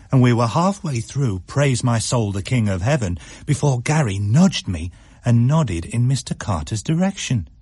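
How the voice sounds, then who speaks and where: A man reading a story aloud as narrator in an expressive, animated way, recorded in a studio. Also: fairly low pitch, husky, dry recording.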